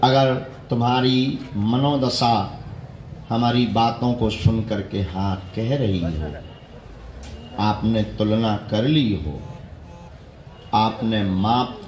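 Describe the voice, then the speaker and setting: A spiritual teacher delivers a devotional sermon in a fairly low, slightly mellow male voice, guiding listeners through mantra practice. He speaks slowly and deliberately, asking one rhetorical question after another. The recording sounds roomy, with a little background noise.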